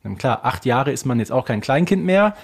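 A man's voice: mid-range voice, big pitch swings, moderate pace, vocal fry, slightly rough. A man chatting casually as a podcast guest, making emphatic points and posing rhetorical questions as he explains. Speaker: podcast guest, audio drama collector.

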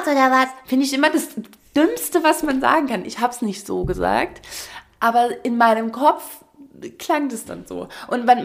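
A young woman co-hosting a podcast, telling a story in lively casual chat and acting out quotes. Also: fairly high pitch, creaky. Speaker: podcast co-host.

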